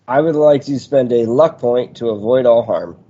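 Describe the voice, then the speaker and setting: A man's voice: medium pitch, moderate pace, warm tone. A man chatting casually as a player in a tabletop game podcast, through a slightly dull microphone. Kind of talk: casual chat during play.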